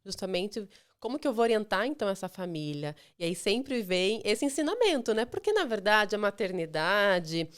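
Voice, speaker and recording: A Brazilian woman nutritionist giving guidance as a guest, patient and reassuring, and she often closes her points with "tá". Her voice is smooth and clear and sits in an ordinary middle pitch. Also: sing-song, moderate pace, hardly any pauses. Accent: Brazilian Portuguese. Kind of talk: explanatory interview talk.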